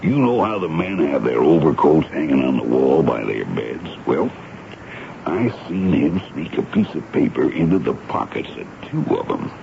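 An actor playing a plain-spoken, folksy army sergeant, gravelly and deferential, with ungrammatical speech, in a 1970s radio drama. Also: male voice, extremely low pitch, big pitch swings, normal speed, heavily acted. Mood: eager, confidential. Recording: muffled, hissy 1970s radio broadcast.

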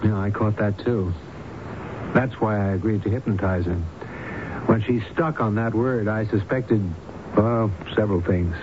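A man's voice: on the low side, measured pace, close to an everyday voice. Man acting probing radio-drama doctor, noisy dull recording. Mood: musing. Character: probing, measured male doctor practising hypnosis.

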